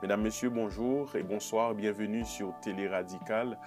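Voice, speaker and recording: A man's voice: lowish voice, steady tone, normal speed, over loud music. A man hosting a studio talk show, speaking to the audience in a theatrical way. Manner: theatrical, addresses the audience directly.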